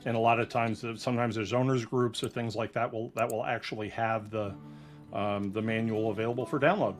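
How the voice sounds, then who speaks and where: A man's voice: on the low side, fairly even intonation, fairly quick, soft background music. A man who is a guest RV technician and former technical editor, giving practical advice in a casual, plain-spoken way. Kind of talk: casual live Q&A chat.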